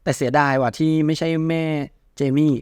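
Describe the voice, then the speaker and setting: A man hosts a movie news show and chats casually, blunt, slangy and excitable. His voice sits a little high and rattles along at a quick clip. It is recorded dry and close. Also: no room sound. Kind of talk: casual chat.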